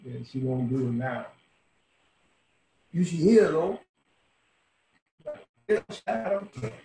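A weary old bar owner, roomy sound. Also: male voice, on the high side, expressive, slow pace, creaky, warm tone, exaggerated voice. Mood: wry, fond. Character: dying, world-weary old bar owner, rough, salty, fond. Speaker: actor reading a monologue. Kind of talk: dramatic monologue, intimate storytelling. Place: small room at home, indoors. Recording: roomy home webcam audio, faint hiss.

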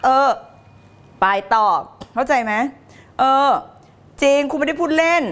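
High voiced lady teacher on a live stream, jokey and dramatic, reads out viewer comments. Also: normal speed. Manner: playful and theatrical, laughing and putting on voices.

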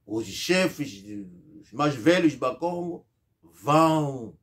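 A man's voice: on the high side, lively intonation, takes it slowly. A middle-aged man from Angola gives an emphatic political commentary to camera, mocking imagined replies in a rhetorical monologue from a small room. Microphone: fixed camera, seated at medium distance.

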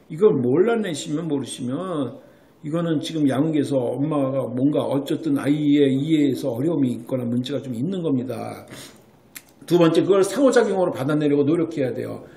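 A male doctor explaining child development to parents, emphatic, often pausing for rhetorical checks. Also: fairly high pitch, gravelly, darkish tone. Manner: emphatic, keeps asking rhetorical checks like "right?". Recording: echoey room.

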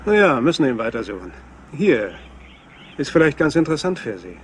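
A laconic officer on a search played by a man in a crime drama. His mid-pitched voice is casual and clipped, set over faint background noise. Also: sing-song, fairly quick, lightly acted. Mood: matter-of-fact. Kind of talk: German-dubbed TV crime drama acting.

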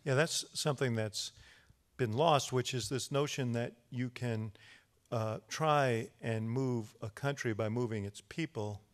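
A man in his sixties hosting a live interview on stage, asking questions with many pauses and fillers into a handheld mic. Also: medium pitch. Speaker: interview host. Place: large hall on a stage before an audience. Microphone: handheld microphone.

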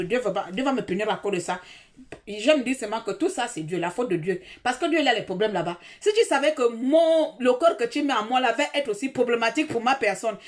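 Woman live-streamer, theatrical monologue, repeats herself, sudden loud bursts then low asides; voice on the higher side. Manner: dramatic, repeats words, swings between loud outbursts and low asides.

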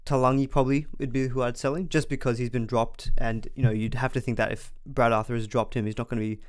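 A man's voice: mid-range voice, level tone, fast talker, no room sound. Thirties male host, mild cold congestion, casual chatty delivery, dry close sound. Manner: chatty, reads viewer comments aloud, frequent restarts. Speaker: fantasy sports live stream host. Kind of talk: casual live stream chat.

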